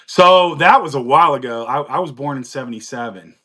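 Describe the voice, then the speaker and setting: A man's voice: medium pitch, fairly quick, fairly bright tone. Chatty man in his forties. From United States. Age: 40s. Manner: rambling, chatty storytelling with frequent laughs and fillers. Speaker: guest on a live chat. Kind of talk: casual chat.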